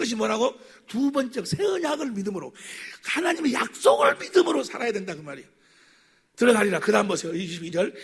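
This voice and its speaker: This man talks very fast and pitches his voice high. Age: 60s. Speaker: pastor. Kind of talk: sermon.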